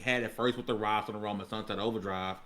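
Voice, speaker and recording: A man on a gaming podcast panel giving casual, explanatory commentary in a measured way with colloquial asides. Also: lowish voice, steady tone, fairly bright tone.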